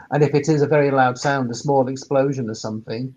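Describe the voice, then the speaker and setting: A man's voice: mid-range voice, fairly even intonation, a little fast, a little mellow. A man giving informal expert explanations on a webinar panel, hesitant and often repeating his words. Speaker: sound engineer and workspace operator, panelist.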